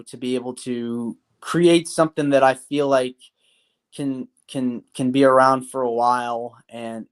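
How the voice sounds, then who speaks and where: A man as a podcast guest, talking earnestly and loosely, with lots of fillers and restarts. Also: medium pitch. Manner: earnest, rambling with many fillers. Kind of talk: casual interview talk.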